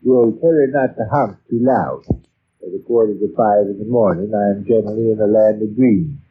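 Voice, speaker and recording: An American actor playing an easygoing, teasing middle-aged husband in an old-time radio comedy, speaking with dry, mock-solemn formality. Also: male voice, lowish voice, fairly quick, breathy edge. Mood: deadpan, easygoing. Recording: thin, phone-like old radio recording.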